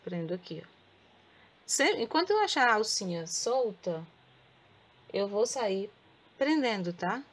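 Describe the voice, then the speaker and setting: A woman with a Brazilian Portuguese accent teaching crochet step by step. She speaks softly with a sore throat and counts stitches aloud. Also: medium pitch, sing-song, measured pace, pauses often. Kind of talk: step-by-step craft tutorial.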